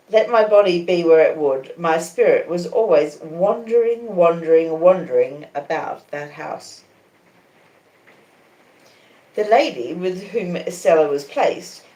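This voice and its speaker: An Australian woman reading a classic novel aloud in an expressive, dramatic, deliberate literary narration style. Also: medium pitch. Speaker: audiobook reader on a live stream. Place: conservatory in a small cottage. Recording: roomy, echoing conservatory sound.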